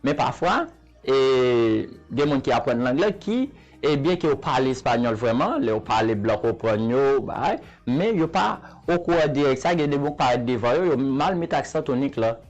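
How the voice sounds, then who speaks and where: Haitian man teaching slowly, repeating words. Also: medium pitch, animated, highs cut off, faint music behind. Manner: patient, repetitive, checks in with "Ok?" and repeats words slowly. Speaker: Spanish teacher. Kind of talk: spoken language lesson.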